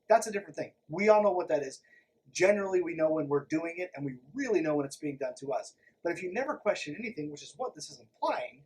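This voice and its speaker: A man's voice: fairly high pitch, poor audio. A man hosting a podcast, reading aloud and commenting in an irreverent, sardonic, emphatic manner. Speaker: podcast host. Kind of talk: reading a text aloud with sarcastic running commentary.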